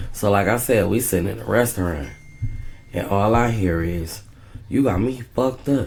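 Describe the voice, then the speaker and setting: Amid noticeable background noise, a man sounds animated, talking at a moderate pace and medium pitch with ordinary pitch variation. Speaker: storyteller vlogger. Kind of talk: storytelling.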